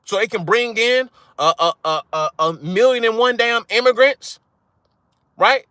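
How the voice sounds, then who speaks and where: Young man, blunt rant-style host, bright edge, dry close mic. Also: very high-pitched, unhurried, smooth, dry recording. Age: young adult. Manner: blunt, profane, repeats "right?" for emphasis. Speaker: channel host. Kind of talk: casual monologue to viewers.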